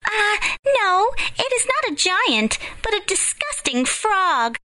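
Fretful storybook princess, very high and bright, swooping lines, read by a woman. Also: big pitch swings, takes it slowly, heavily acted, low-quality recording. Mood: anxious. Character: spoiled young princess, girlish and fretful.

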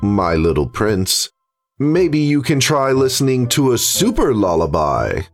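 A woman's voice: rumbling low, big pitch swings, measured pace, faint music behind, voice pushed down, full character voice. A woman voicing a worried, troubled king and father in a bedtime story, speaking in a grave, ponderous way.

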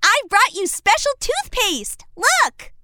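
A woman's voice: extremely high pitch, sing-song, slow, pushed and bright, dry recording, studio quality, pitched above the performer's own voice, exaggerated voice. A woman voicing a brave, cheerful young boy prince in a storybook, sounding eager and encouraging. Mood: chirpy. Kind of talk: storybook character voice.

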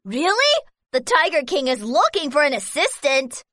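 Brief: eager little rooster boy for a kids' story, lively squeaky delivery. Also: moderate pace, no room sound, studio quality, heavily acted. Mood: amazed. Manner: bouncy, squealing, wide-eyed. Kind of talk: children's audio story.

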